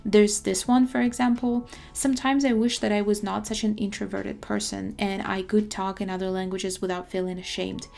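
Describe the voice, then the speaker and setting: Young woman with a creaky voice. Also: medium pitch, flat delivery, normal speed, few pauses, a little mellow. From Russia. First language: Russian. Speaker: language-learning video creator. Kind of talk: semi-scripted video commentary to camera.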